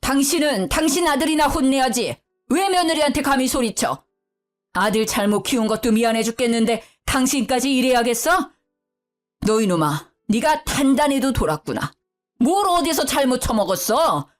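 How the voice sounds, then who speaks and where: A woman's voice: sits high, expressive, normal speed, faint music behind, pitched above the performer's own voice. A woman doing a stern old father-in-law. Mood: angry. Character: stern elderly father-in-law scolding his son.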